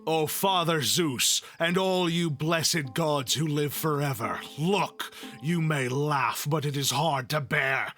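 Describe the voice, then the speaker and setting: An aggrieved, self-pitying male god voiced by a man reading aloud declaims his grievance in a bright, forceful tone. The complaint is drawn out and furious, in storybook style, with music faintly behind. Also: fairly high pitch, slow pace. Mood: aggrieved, wounded.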